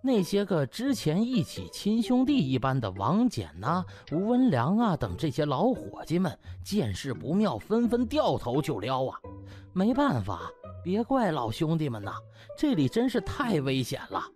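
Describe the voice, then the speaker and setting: A man narrates a comic audiobook as a dramatic storyteller. His delivery is theatrical, with very wide swings of pitch, and music plays faintly behind him. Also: huge pitch swings, a little slow, a little mellow. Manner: theatrical, uses sound words and exclamatory particles.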